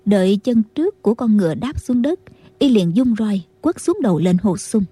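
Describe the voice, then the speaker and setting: Woman narrating with a dark, husky voice. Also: medium pitch, lively intonation, moderate pace, dry recording. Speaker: audiobook narrator. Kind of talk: scripted martial-arts novel narration.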